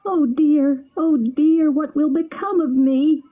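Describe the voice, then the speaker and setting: A woman voicing an impulsive, rude wooden puppet boy who pleads in a high, tearful voice. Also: unhurried, narrow, tinny audio. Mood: weeping.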